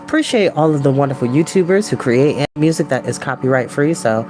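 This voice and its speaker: An expressive, theatrical storytelling host who reads books aloud and chats casually in between. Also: medium pitch, quick pace. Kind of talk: animated storybook reading with chatty asides. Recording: background ambient music. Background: ambient music.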